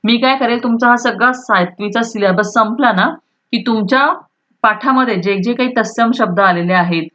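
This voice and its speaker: A woman's voice: fairly high pitch, moderate pace, a bit bright, dull audio. A woman teaching a school Marathi lesson, explaining step by step, repeating key terms and asking if students follow, sometimes restating points in Hindi.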